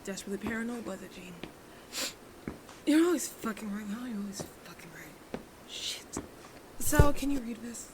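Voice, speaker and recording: A woman's voice: fairly high pitch, expressive, normal speed, pauses often, background noise, close to an everyday voice. A woman playing a panicked, foul-mouthed, sarcastic spaceship captain in a sci-fi audio drama, muttering and swearing to herself in a naturalistic way. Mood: frustrated.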